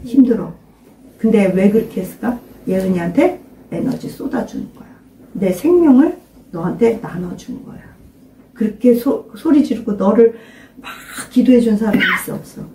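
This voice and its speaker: A woman's voice: on the high side, expressive, moderate pace, slight background noise. Emphatic older woman pastor, roomy echo. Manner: emphatic, questioning listeners, urging loud prayer. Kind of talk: informal sermon to a small congregation. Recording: roomy echo, mic at a distance.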